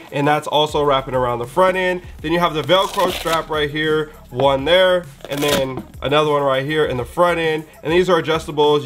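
A man's voice: a little high, a bit bright. A young man with a stuffy, nasal voice from a cold, hosting a laid-back, slangy sneaker review. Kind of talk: casual product review. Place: indoor studio with shoe shelves.

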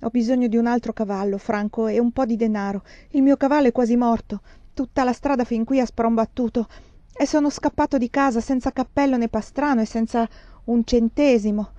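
A woman's voice: on the high side, steady tone, fairly quick, mellow, no room sound, muffled recording, lightly acted. A woman voicing a desperate young fugitive man who talks in an urgent, boastful, raised voice, read as a storybook. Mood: excited.

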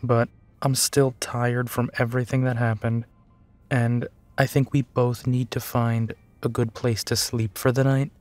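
Male actor as burly werewolf detective for audio roleplay: tired, protective, slow and sighing delivery over a music bed. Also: mid-range voice, little pitch movement, darkish tone, lightly acted. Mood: gentle, tired. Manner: musing, sighing, unhurried. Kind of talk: audio drama monologue, intimate and conversational.

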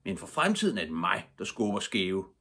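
A man's voice: deep voice, wildly swooping pitch, fairly bright tone, slightly rough, exaggerated voice. A man voicing a grumpy, sensible schoolboy who mumbles and grumbles, in a storybook reading. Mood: grumbling.

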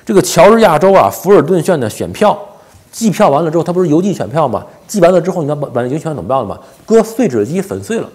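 一位四十多岁、带北方普通话口音的男性，用口语化的方式做时政评论，常用反问和“对不对”之类的追问。. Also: male voice, on the high side, very animated, very fast, a little mellow. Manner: colloquial, rhetorical questions, frequent tag questions. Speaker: commentator, host of a daily show. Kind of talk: informal political commentary. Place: small indoor home office. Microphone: lapel.

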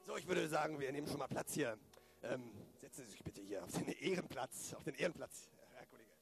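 Audio drama policeman, played by a man: chatty, polite, over-keen colleague, gravelly fry, faint music. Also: medium pitch, expressive, a little fast. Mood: eagerly hospitable. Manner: rambling, formally polite. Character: chatty, courteous, over-eager police detective and host.

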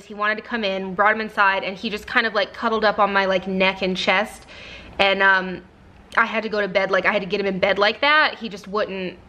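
A woman's voice: mid-range voice, sharp tone. A young woman in casual vlog chat from her home office, talking with lots of fillers into a camera mic. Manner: chatty, many fillers, baby-talks to her puppy. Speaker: vlogger and small shop owner.

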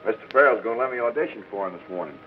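An actor playing a polite, hopeful young singing cowboy with an American accent, in 1940s Hollywood film style. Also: male voice, medium pitch, animated, rapid-fire, slight background noise, lightly acted. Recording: muffled old film soundtrack, faint music.

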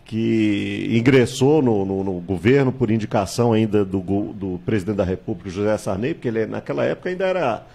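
A man in his sixties speaks into a handheld mic in a small TV studio. His voice sits low and has a warm, mellow tone. He talks in a measured, reminiscing way, with hesitations and tag questions. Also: vocal fry, husky. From Salvador, Bahia, Brazil. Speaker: political candidate, guest. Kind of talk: studio interview, recounting his life. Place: small TV studio with virtual set.

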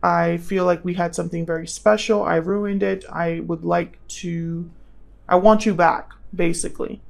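A woman giving a casual tarot reading, thinking aloud and speaking straight to the listener in a conversational way, with gravelly vocal fry. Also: fairly low pitch, fairly even intonation, moderate pace. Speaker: tarot reader, channel host.

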